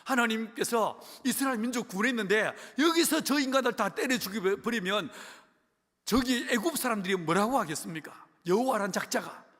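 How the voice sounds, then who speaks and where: A man with a Gyeongsang accent playing Moses, urgently pleading with God to calm down. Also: high-pitched, brisk. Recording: long church reverb.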